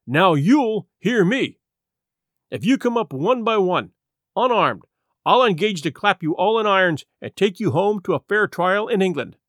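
Man playing Captain Smollett, stern animated sea captain. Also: high-pitched, unhurried, no room sound, clean studio sound. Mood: stern defiance. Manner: commanding, emphatic, clipped declarations. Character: stern, defiant, honourable English sea captain.

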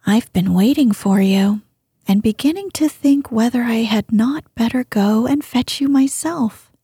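A woman voicing a gentle, wise old grandmother who speaks softly and kindly. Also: fairly high pitch, measured pace, slightly rough, dry recording, clean studio sound, exaggerated voice. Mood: tender. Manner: soft, sweet and kindly.

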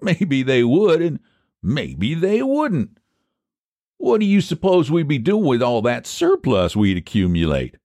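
A man's voice: mid-range voice, huge pitch swings, measured pace, warm tone, no echo, voice pushed up, exaggerated voice. A man voicing a scheming, homespun rural American pie baker, folksy and persuasive, in a storybook reading. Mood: triumphant.

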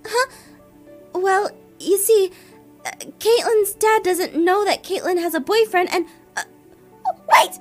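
A woman's voice: extremely high pitch, slow pace, pauses often, soft background music. A young woman voicing a nervous, stammering teenage girl who gets flustered easily. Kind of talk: voiced animated roleplay.

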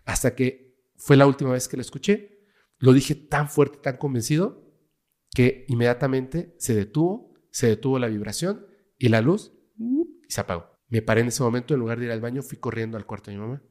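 A man with a Mexican Spanish accent, a guest on a casual podcast interview, telling a story dramatically and dropping to a hush at tense moments. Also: medium pitch, fairly quick. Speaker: guest, paranormal investigator.

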